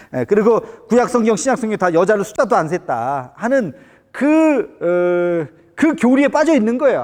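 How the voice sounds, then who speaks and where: Against a quiet background, a man speaks in a high-pitched voice with very wide pitch swings. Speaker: senior pastor teaching church history. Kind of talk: lecture. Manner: fast.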